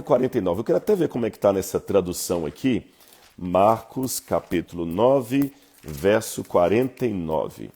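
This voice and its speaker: A man with a Brazilian Portuguese accent giving an informal Bible lesson, lecturing in a lively, conversational way with asides to his viewers. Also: sits low, breathy edge. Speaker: Bible teacher.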